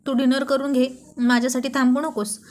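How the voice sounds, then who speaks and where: A playful young husband who teases his wife with easy affection, as a woman narrator puts him on. The voice sits fairly high. It is told as part of a spoken storybook. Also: level tone, a little fast, darkish tone, natural voice. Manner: playful, teasing.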